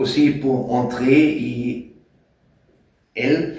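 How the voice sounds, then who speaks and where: A man with a non-native accent talks at a very slow pace with ordinary pitch variation. Audible room echo surrounds his voice. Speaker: pilgrim walker. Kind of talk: casual chat. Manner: halting.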